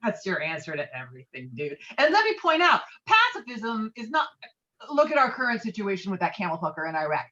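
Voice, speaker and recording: A woman's voice: medium pitch, huge pitch swings, fairly quick, pushed and bright, dull audio. A woman acting a belligerent, rule-obsessed middle-aged male bowler in a script read, emphatic, self-righteous and foul-mouthed. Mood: smug. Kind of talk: acted table read of a film script.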